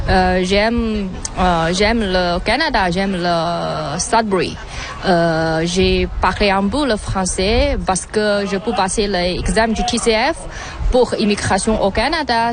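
A Chinese woman whose first language is Mandarin, speaking halting learner's French with a Mandarin accent. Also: mid-range voice, noisy background. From China. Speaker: interviewee.

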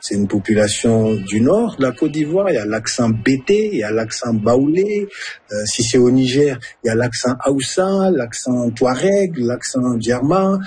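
A man being interviewed, explaining his view in a lively way as he lists example after example. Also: medium pitch, normal speed, breathy edge.

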